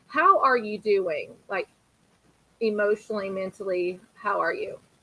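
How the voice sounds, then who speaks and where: A woman with a Kentucky accent, speaking at a fairly slow pace. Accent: country Kentucky. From Kentucky, US. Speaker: podcast host. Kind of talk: interview. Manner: casual, animated.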